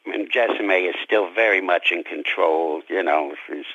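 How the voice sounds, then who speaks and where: A man speaking as an interviewed author, chatting reflectively and haltingly about his fiction, on a slightly dull radio-like recording. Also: sits low, dry recording. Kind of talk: casual interview chat about his own story.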